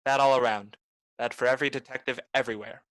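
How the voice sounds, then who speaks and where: A man's voice: medium pitch, fairly even intonation, fast, fairly bright tone, dry recording, close to an everyday voice, poor audio. A man playing a cynical, blunt private detective in the manner of 1940s noir radio drama. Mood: bitter, resolute. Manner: blunt, accusing, tough. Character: hard-boiled, cynical male private detective.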